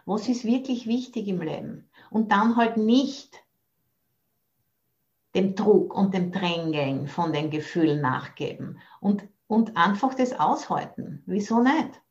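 A woman's voice: medium pitch, expressive, slow, darkish tone. Reflective woman over muffled audio. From Austria. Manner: thoughtful, searching for words, mixes in English phrases. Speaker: Buddhist nun teacher. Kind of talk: dharma talk. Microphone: video call.

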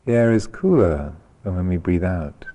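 A man leads a guided meditation calmly and gently, taking his time and leaving long pauses between phrases. His voice is deep.

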